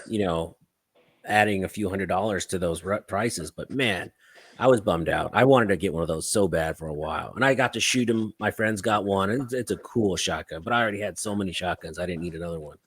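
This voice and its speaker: A man hosting a live stream who does gun reviews, chatting casually with relaxed, enthusiastic interjections. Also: sits low, a little fast, breathy edge, no echo.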